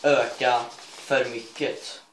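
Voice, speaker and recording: A man's voice: mid-range voice, level tone, noisy background. A man reading his own school story aloud, rambling with self-mocking asides and laughing at his own writing. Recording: echoey room.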